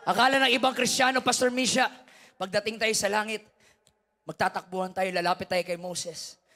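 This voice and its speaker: A man with a Filipino accent preaching a sermon as pastor, mixing Tagalog and English, moving from hushed storytelling to shouted preaching. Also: sits high, steady tone, normal speed.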